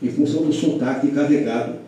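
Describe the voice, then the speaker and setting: Brazilian guy from sao paulo's interior explaining history, slow lecture-y talk, sounds far off in a boomy room. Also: warm tone, muffled recording, slight background noise. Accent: Brazilian Portuguese, São Paulo interior. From Porto Feliz, São Paulo state, Brazil. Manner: measured, lecturing with many fillers and restarts. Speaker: local historian guest. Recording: echoey room, distant mic.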